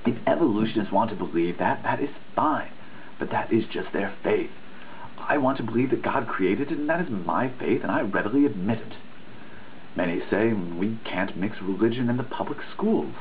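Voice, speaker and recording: A man's voice: lowish voice, animated, normal speed. A man giving a dramatic reading of a written text, earnest and emphatic in a preachy way, now and then stumbling over a word. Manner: earnest, emphatic, preachy delivery with occasional misreadings. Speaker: reader of a dissertation. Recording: tinny phone-like sound with faint noise.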